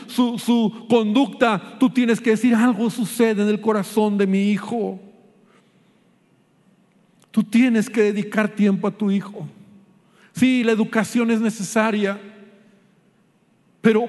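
Male pastor, urgent preaching, high voice, big reverberant church hall. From Mexico. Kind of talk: sermon.

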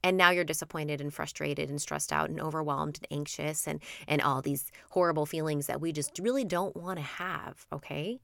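A woman's voice: deep voice, moderate pace, vocal fry, few pauses, dry recording, clean studio sound. A woman in her thirties hosting a podcast, chatty and encouraging, her voice a little nasal from allergies. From Florida. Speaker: podcast host. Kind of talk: casual solo podcast talk.

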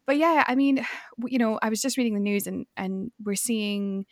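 A young woman from Fife with a softened Scottish accent, hosting a podcast in a conversational style. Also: on the high side, moderate pace, no echo, studio quality. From Fife, Scotland. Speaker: podcast host.

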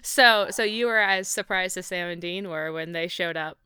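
A woman's voice: on the low side, normal speed, pushed and bright, smooth, dry recording, clean studio sound. A woman co-hosting a casual podcast, chatty and laughing often, restarting her sentences as she talks. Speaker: podcast co-host. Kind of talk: casual chat.

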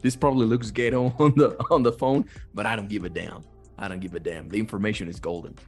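A man's voice: lowish voice, fairly even intonation, fast, a little mellow. A man hosting a casual motivational chat, talking bluntly and swearing freely. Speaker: host of a talk on manhood. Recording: music behind the voice. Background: music.

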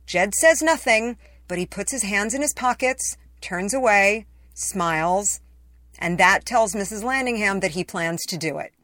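Woman reading her own essay, kinda wry n chatty storytelling, medium pitch, really dry recording no room sound. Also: expressive, unhurried, fairly bright tone, no room sound. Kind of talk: scripted narration of a personal essay.

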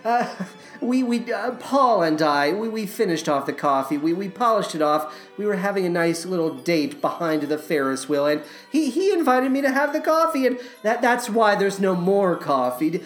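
A woman playing a timid, gentle, apologetic girl with a hesitant stammer in a comic puppet-show sketch. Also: on the low side, big pitch swings, normal speed, hardly any pauses, reverberant, soft background music, pitched below the performer's own voice.

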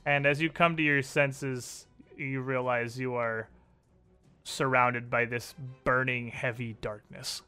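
Man, tabletop game master, bright forceful tone, slow pace, deliberate storytelling. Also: medium pitch, flat delivery, clean tone, soft background music. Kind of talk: narrating a tabletop role-playing game.

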